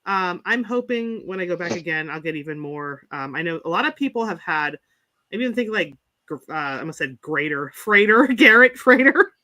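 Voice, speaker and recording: A woman's voice: on the low side, expressive, moderate pace, bright, forceful tone. A woman with an Appalachian accent co-hosting a podcast, chatty and giggly, often trailing off mid-sentence. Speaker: podcast co-host. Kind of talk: casual chat.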